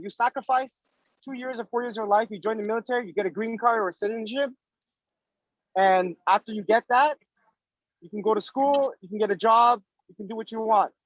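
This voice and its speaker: A man's voice: high-pitched, no echo, lo-fi sound. A man in his thirties giving casual, explanatory advice in an interview, stressing points with repetition and rhetorical questions. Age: 30s.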